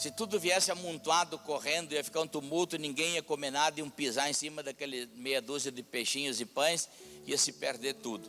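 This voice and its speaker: Music sits in the background. The speech moves at a moderate pace with ordinary pitch variation. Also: man, fairly high pitch for a man. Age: 60s. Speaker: pastor. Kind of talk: sermon. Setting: church service.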